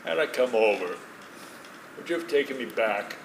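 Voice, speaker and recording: An actor playing a regretful elderly Jewish man in a stage play, pleading and wistful in halting speech. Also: mid-range voice, animated, gravelly. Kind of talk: stage play acting, dramatic dialogue. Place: stage in a theatre, distant microphone. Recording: echoey, noisy theatre recording from far off.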